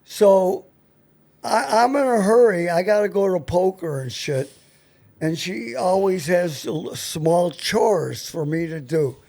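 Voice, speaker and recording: A man's voice: high-pitched, expressive, slow pace, creaky, a little mellow. An older man hosting a casual talk show, telling stories and bantering in a blunt, profane way. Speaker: show host.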